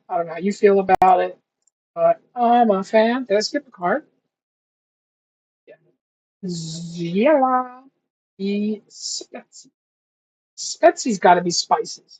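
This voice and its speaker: Husky-voiced man rambling through study. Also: high voice, a little mellow. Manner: rambling, thinks aloud, sounds out foreign words slowly. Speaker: language learner vlogger. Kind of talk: casual self-talk while studying. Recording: dull lo-fi recording.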